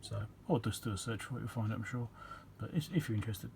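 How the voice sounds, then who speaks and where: A man's voice: lowish voice, quick pace, creaky, background noise. A man giving a casual technical explanation as a repair video host, rambling and matter-of-fact as he thinks aloud.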